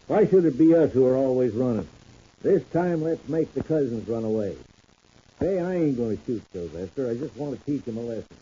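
A folksy, plain-spoken country man in a vintage radio serial. The voice is very dark and husky, protective and homespun, on a dull old recording. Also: medium pitch, lively intonation, brisk. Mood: determined. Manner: rustic, homespun phrasing. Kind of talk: vintage radio soap opera acting.

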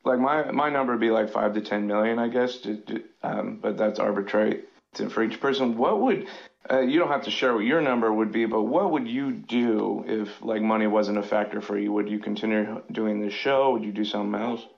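A man's voice: lowish voice, a little fast, creaky. A male caller on a phone line, speaking casually and hesitantly with many fillers.

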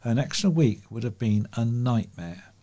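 A man's voice: medium pitch, lively intonation, a little slow, mellow. A man with a British accent reading scripted local news items as a volunteer newsreader. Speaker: volunteer newsreader for a talking newspaper.

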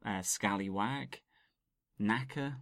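A man's voice: on the low side, slow, fairly bright tone, dry recording, studio quality. A man from England co-hosting a podcast, explaining things at length and laughing at himself. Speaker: podcast co-host. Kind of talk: casual podcast chat.

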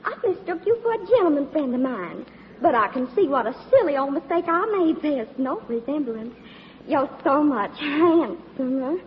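An actress playing a movie star who puts on a coy, flirty Southern belle act with a put-on American Southern accent. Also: female voice, high voice, animated, moderate pace, a little hiss or hum. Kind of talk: 1940s radio comedy acting. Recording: echoey, lo-fi old radio broadcast.

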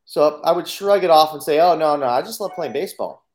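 A man's voice: a little high, expressive, fairly quick, darkish tone. A man telling his own life story on a podcast in an earnest way, acting out his inner thoughts in quotes. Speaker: podcast guest. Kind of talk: personal storytelling.

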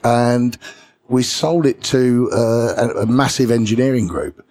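A middle-aged man with a British English accent, a podcast guest telling anecdotes in a lively way and chuckling between lines. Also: medium pitch, unhurried. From England. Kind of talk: anecdotal storytelling in an interview.

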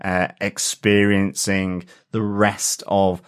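A man co-hosting a casual podcast, musing about a TV episode in a relaxed way with many ums and uhs. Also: low-pitched, slow pace, smooth. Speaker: podcast co-host. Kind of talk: casual chat reviewing a TV episode.

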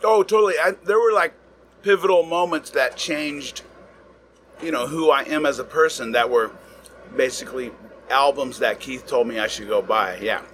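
A man's voice: mid-range voice, normal speed, fairly bright tone, a little hiss or hum. A man bantering playfully, tossing out teasing questions. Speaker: guest musician. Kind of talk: joking banter.

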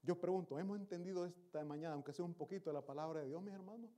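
A man's voice: sits high, very fast, warm tone. A male pastor preaching a Sunday sermon, exhorting the congregation and asking them questions. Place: church service.

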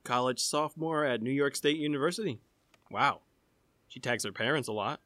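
A young man in a scripted audio drama, speaking with dry, wary deadpan. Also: medium pitch, normal speed, no room sound, close to an everyday voice.

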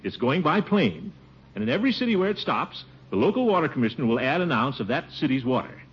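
A man's voice: medium pitch, very animated, quick pace, slightly rough. An actor playing a boastful, pompous middle-aged male water commissioner in a 1950s radio sitcom, chuckling and sputtering as he talks. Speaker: lead character. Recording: muffled old radio broadcast with music.

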